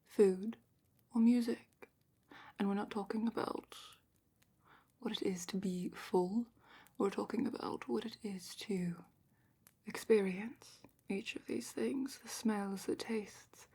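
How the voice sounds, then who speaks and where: A woman playing a calm, attentive dragon matchmaker in a slow, whispered ASMR roleplay with thoughtful pauses. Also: medium pitch. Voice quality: breathy, whispery. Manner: slow, gentle, thoughtful questioning with murmured pauses. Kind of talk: soft-spoken ASMR roleplay, largely whispered.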